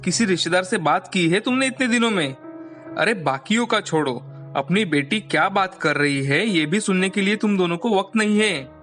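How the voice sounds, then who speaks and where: Woman putting on cartoon grandpa, old and stern, lowered and slow, lecturing tone, faint music behind. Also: a bit bright, lightly acted. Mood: scolding. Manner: scolding, lecturing.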